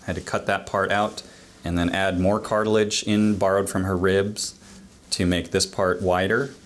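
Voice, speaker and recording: Deep-voiced male doctor explaining. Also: flat delivery, normal speed, slight background noise. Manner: explanatory, plain-spoken. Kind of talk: interview explanation.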